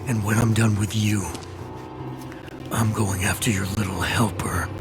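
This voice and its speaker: An actor playing a menacing, boastful convict gang boss in a video game, speaking theatrically between hissed threats and bellowing. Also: male voice, fairly low pitch, fairly even intonation, unhurried, loud music behind the voice, close to an everyday voice. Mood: menacing, grandiose. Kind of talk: video game cutscene acting.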